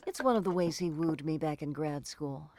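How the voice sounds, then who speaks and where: A woman's voice: sits low, moderate pace, warm tone, a little hiss or hum. An actress playing a protective, teasing middle-aged mother in an audio drama. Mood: warm, teasing. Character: warm, teasing, protective mother of a teenage son.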